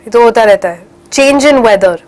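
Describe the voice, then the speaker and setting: A woman's voice: on the high side, rapid-fire, a little mellow. A young woman teaching an online English class for children in Indian English, encouraging and slipping in Hindi phrases, a little stuffy from a cold.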